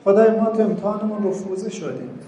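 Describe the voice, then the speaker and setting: A man's voice: high-pitched, lively intonation, dark tone. Fervent pleading man preaching in echo. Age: 40s. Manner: pleading, fervent, quotes Arabic prayers. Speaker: preacher leading prayer. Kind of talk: devotional supplication sermon. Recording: echoey room, faint background noise.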